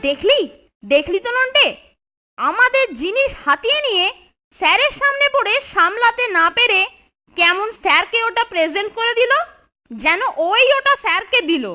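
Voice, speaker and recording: Piping, excitable cartoon schoolboy. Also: female voice, extremely high pitch, moderate pace, soft background music, exaggerated voice. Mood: indignant. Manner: excitable, animated. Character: Fonte, mischievous scheming schoolboy. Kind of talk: children's cartoon dub.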